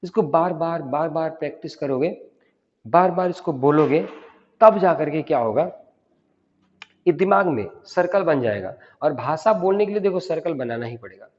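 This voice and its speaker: A man's voice: on the high side, animated, normal speed, a little mellow, long reverb tail, highs cut off. A man teaching a spoken English lesson, explaining step by step and drilling phrases aloud.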